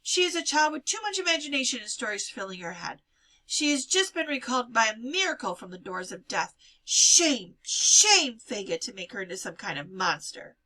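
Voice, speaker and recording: A woman's voice: on the high side, big pitch swings, moderate pace, sharp tone, voice pushed up, full character voice, poor audio. A woman voicing a stern, practical, scolding aunt in a storybook reading. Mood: scolding, indignant.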